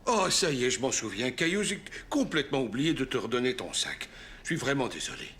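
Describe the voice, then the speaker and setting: Animated, kindly old grandfather. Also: mid-range voice, a little fast, a little hiss or hum. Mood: warm, playful. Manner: gentle, patient, explanatory. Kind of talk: French children's cartoon acting.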